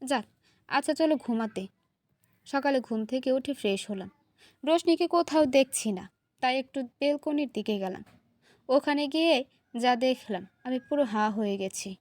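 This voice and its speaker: Woman storyteller, high-pitched, expressive first-person reading, dry sound. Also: moderate pace, dry recording.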